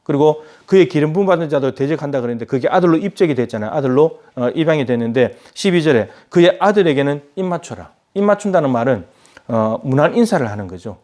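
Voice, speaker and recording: Middle-aged male pastor, mellow warm voice, relaxed devotional explainer with lots of "uh"s. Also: on the high side. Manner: unhurried explanatory preaching with frequent "uh" fillers, conversational asides. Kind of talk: short daily Bible devotional talk.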